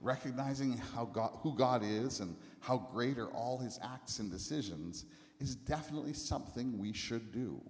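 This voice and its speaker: Preacher man with lively pitch, reverberant hall. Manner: speaks in short phrases, pausing for the interpreter. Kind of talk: sermon with live interpretation. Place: church hall.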